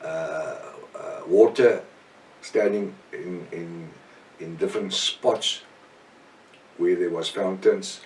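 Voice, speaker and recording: A man's voice: low-pitched, slight background noise. Echoey South African Afrikaans preacher, male, middle-aged. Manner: earnest, emphatic, halting delivery with repetition and short phrases. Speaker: preacher and Bible teacher. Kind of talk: extemporaneous Bible teaching sermon. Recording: echoey room, distant microphone.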